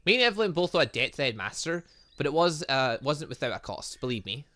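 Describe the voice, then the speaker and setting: A man's voice: fairly high pitch, very animated, quick pace, pushed and bright, no room sound. A man reading game dialogue aloud in a let's play, adding his own commentary and often stumbling over words and correcting himself. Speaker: gaming YouTuber reading a visual novel aloud.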